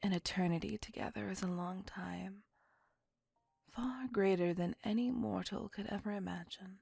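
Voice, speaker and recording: A woman voicing a possessive, centuries-old female vampire in an ASMR roleplay, whispering softly with formal, old-fashioned phrasing. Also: medium pitch, moderate pace, vocal fry, slightly rough, no echo. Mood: tender. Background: faint music.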